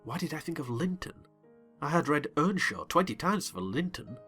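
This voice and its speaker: A man narrating a dramatized audiobook in a bright, forceful voice that sits slightly high. He reads theatrically and swells into excited outbursts in the dialogue, with faint music underneath. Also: normal speed, slightly rough.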